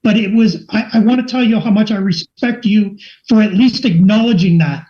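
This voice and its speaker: A woman on a video call who speaks in an earnest, polite and deliberate way. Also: mid-range voice, mellow. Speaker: call participant. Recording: muffled online call audio.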